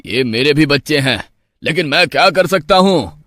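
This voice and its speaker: A man doing a calm fatherly village headman. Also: fairly high pitch, normal speed, dry recording, studio quality. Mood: concerned.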